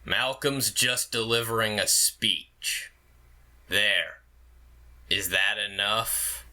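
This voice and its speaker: An actor in an audio drama playing a skeptical, level-headed royal attendant with a measured, deliberate delivery. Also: mid-range voice, sharp tone, exaggerated voice. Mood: exasperated.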